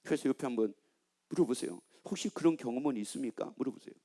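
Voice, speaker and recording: A man's voice: medium pitch, animated, fast, dark tone. A male pastor preaching a sermon, putting questions to the congregation and repeating their answers back, with teasing asides.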